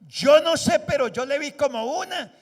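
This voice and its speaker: A man voicing a fretful church member who gossips, rambling and suspicious in a shrill, raised voice. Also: expressive, normal speed, in a large hall. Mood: gossipy.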